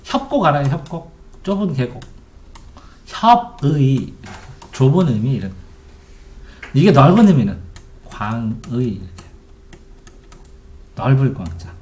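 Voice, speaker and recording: A man's voice: medium pitch, a little mellow. A middle-aged man tutoring Korean literature online, explaining terms and quizzing his students with repeated questions. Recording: echoey room, keyboard typing behind.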